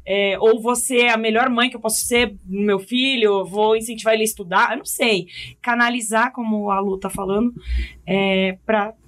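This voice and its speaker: A woman's voice: a little high, fairly even intonation, moderate pace, fairly bright tone. A middle-aged Brazilian woman, a mother, talking thoughtfully and hesitantly in a casual podcast chat. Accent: Brazilian Portuguese. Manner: thoughtful, hesitant, many fillers. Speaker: podcast guest.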